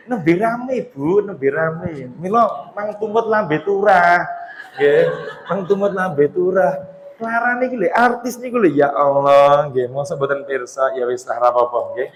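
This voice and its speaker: High-voiced Javanese preacher in echoey hall. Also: male voice. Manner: chatty, joking, mixes Javanese into Indonesian, addresses women in the audience. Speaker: Islamic preacher. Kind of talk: humorous religious lecture. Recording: echoey hall with long reverb.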